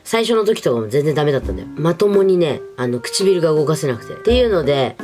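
A young adult woman vlogs a product review, chatting casually and informally to the camera in a small furnished room indoors. Her low-sitting voice swings widely in pitch, moves fast, and sounds a little mellow. Background music plays.

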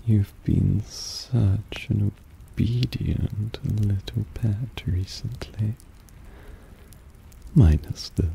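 Guy playing a doting but possessive vampire, asmr rp, super dark mellow half-whisper, coaxing, faint rainy noise behind. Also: on the low side, heavily acted, rough recording. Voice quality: breathy, often half-whispered. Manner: slow, teasing, coaxing. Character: possessive, softly dominant male vampire doting on his pet. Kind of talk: intimate ASMR roleplay.

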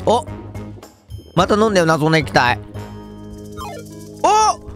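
A young man with a lilt, commentating a game in an excitable, joking way. His pitch jumps around a lot and sits a little high. Faint music plays behind him. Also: normal speed. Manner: excitable, jokey, talks to viewers. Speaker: gaming YouTuber.

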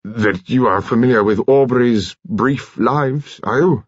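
A man voicing an embarrassed, gruff naval commander in a story, halting and groaning as he speaks. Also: mid-range voice, no room sound, highs cut off, pitched above the performer's own voice. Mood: nervous, awkward. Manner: groaning, halting, nervous gabble.

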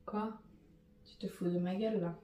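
A woman's voice: fairly low pitch, steady tone, normal speed, dark tone, a little hiss or hum, lightly acted. A woman playing a blunt, impatient older woman who mocks everyone while being shown around a family house in a comedy sketch. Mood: indignant. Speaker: visitor touring a house. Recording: roomy echo, from a distance.

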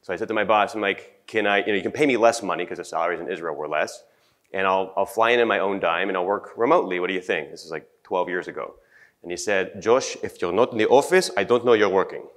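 A middle-aged man from Canada giving a casual conference talk into a handheld mic, chatty and self-deprecating, with a groggy morning voice and throat clearing. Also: deep voice, fast talker, fairly bright tone. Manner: chatty, self-deprecating, many fillers and restarts. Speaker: conference speaker. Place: conference room.

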